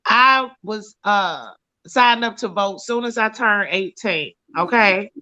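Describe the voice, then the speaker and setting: A woman's voice: mid-range voice, slow, pushed and bright. A blunt, profane woman, hosting a casual talk show. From Mississippi, US. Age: late 30s. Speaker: host. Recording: lo-fi stream audio.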